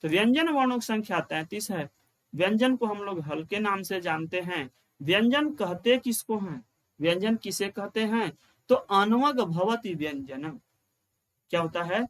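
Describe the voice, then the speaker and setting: A high-voiced man with lively intonation teaches an exam-prep grammar lesson, explaining step by step as he writes on the board. He repeats key lines, answers his own questions and chants rules in a slow sing-song.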